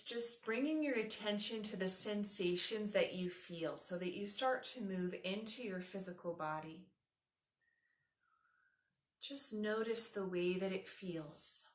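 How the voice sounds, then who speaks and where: A woman teaching yoga nidra, leading a guided meditation in a soothing, instructive, unhurried way. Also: mid-range voice, roomy sound.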